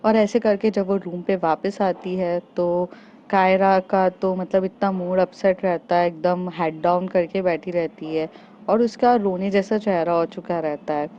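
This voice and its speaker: A woman narrating a story in an unhurried, conversational way. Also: fairly low pitch, fairly even intonation. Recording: dull lo-fi with faint noise.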